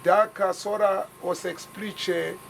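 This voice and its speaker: A man in the audience insisting on how the translation should be done, halting and repeating himself. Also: high voice, fairly even intonation, creaky, a little hiss or hum. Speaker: audience member.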